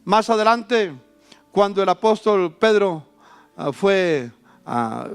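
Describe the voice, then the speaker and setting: Guy preaching a fiery sermon, pretty high voice, soft music underneath. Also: sing-song, takes it slowly, clean tone. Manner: impassioned preaching, swinging from soft to loud. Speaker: pastor.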